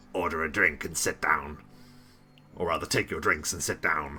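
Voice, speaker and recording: A man puts on a character voice that is raspy and very deep, delivered at a moderate pace. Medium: actual play. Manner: quiet, commanding.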